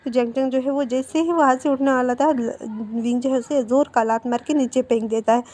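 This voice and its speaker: A woman retells a story casually and chattily, pausing often on fillers. Her voice sits fairly high but sounds warm and mellow. The delivery is relaxed, like talking to regular viewers.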